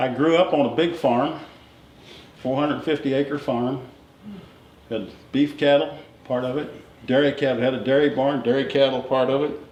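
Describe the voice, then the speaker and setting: With a Virginia accent and a fairly high pitch, a man talks at a moderate pace with fairly even intonation and long, frequent pauses, in audible room echo. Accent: Virginia Southern American. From US South, Shenandoah Valley, western Virginia. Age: 80s+. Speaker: retired realtor and instructor. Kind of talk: talk to an audience, life story. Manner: folksy, repetitive.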